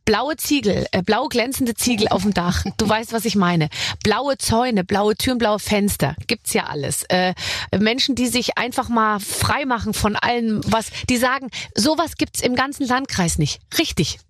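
A woman hosting a podcast, joking and teasing her guest in quick banter. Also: medium pitch, no echo, studio quality. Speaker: podcast host. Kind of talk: casual podcast chat.

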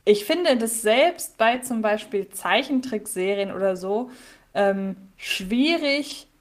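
A woman's voice: a little high, expressive, slow pace. A woman co-hosting a podcast in casual chat, thinking aloud with lots of fillers and restarts. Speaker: podcast co-host.

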